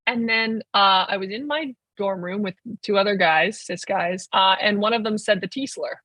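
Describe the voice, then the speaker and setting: A man's voice: high voice, moderate pace, bright, forceful tone, dry recording, poor audio. A 21-year-old trans man and podcast guest, chatting casually and rambling with lots of "like.". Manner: rambling, heavy use of "like". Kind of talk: casual conversation.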